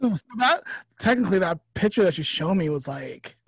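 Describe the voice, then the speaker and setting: Husky man co-hosting a podcast. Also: sits high, sing-song, fairly quick, dry recording, studio quality. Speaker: podcast co-host. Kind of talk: casual chat, reacting and prompting. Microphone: close studio mic.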